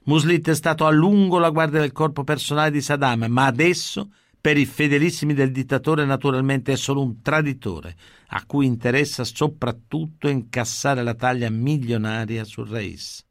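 Male documentary narrator, measured and explanatory, dry studio sound. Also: mid-range voice, dry recording. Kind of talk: scripted narration.

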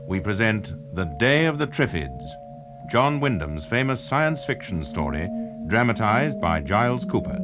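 A British man announcing a 1960s radio drama in a formal, deliberate style. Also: fairly low pitch, big pitch swings. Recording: old radio recording under loud music.

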